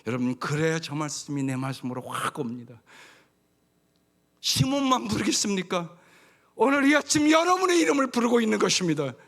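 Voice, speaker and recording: A man preaching a sermon as pastor, with emphatic exhortations that drop at times to hushed, whispered lines. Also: sits high, sing-song, moderate pace, vocal fry.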